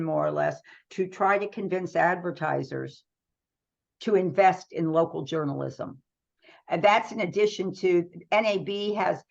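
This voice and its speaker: On the low side and touched with vocal fry, this voice comes through dull audio. She's a middle-aged American publisher of a radio trade magazine, earnestly explaining things as a guest in a conversational interview.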